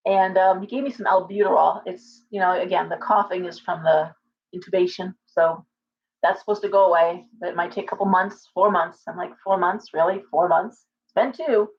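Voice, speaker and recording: A middle-aged woman, a tarot reader, chatting casually on a livestream from her living room, hoarse from coughing and rambling with many restarts. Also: on the low side, fairly even intonation, normal speed. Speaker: tarot reader and shop owner. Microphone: webcam at desk distance. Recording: slightly dull lo-fi webcam audio.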